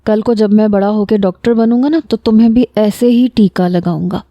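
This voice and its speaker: A woman's voice: mid-range voice, steady tone, dark tone, no echo, lightly acted. A woman voicing an injured young man with amnesia who whines and pouts like a scared child, in a storybook reading. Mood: sulky. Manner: whiny, pouting, childlike threats.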